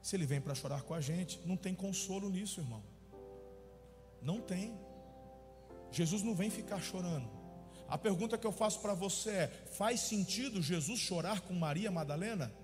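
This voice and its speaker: A man's voice: sits high, normal speed, big-room sound, music in the background. A man preaching a sermon as a pastor, impassioned and acting out the people in his story.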